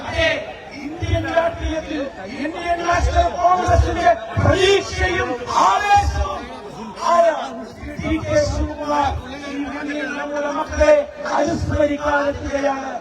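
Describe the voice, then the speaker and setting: A man with a Malayali accent shouts into a microphone at an outdoor political rally, his voice very high and held on nearly one note. He sounds far from the recorder, with echo and loud crowd noise all around him. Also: flat delivery, slow. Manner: shouted, chanting slogans. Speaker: rally announcer. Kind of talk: fiery political rally compering.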